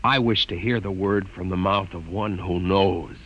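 Earnest young cadet, husky mid-pitched voice, old radio drama. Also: male voice, steady tone, normal speed, a bit bright. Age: young adult. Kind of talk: 1950s radio drama acting.

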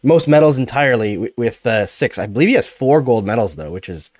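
A man's voice: mid-range voice, animated, a little fast, darkish tone, no room sound, clean studio sound. A man hosting a casual sports podcast, talking earnestly about the games. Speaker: podcast host.

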